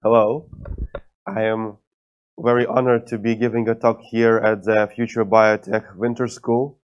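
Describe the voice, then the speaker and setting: A man's voice: fairly low pitch, flat delivery, measured pace, clean tone. A man gives a prepared conference lecture in a dry, joking way. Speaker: guest lecturer. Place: lecture hall. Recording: dull, lo-fi lecture mic.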